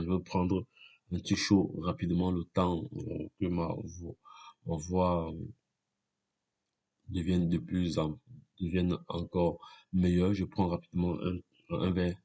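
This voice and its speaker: A man's voice: low-pitched, dark tone, husky. A man with a head cold explaining an immigration program in a casual walkthrough, repeating himself and saying "voilà" often. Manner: repetitive, many fillers, frequent "voilà". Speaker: video creator giving immigration advice.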